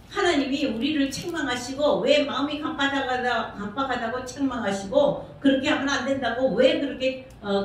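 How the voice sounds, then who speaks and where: Woman pastor, sermon, conversational questioning, higher voice, very echoey church, distant mic. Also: slight background noise. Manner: conversational preaching, asks the congregation questions. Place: church sanctuary.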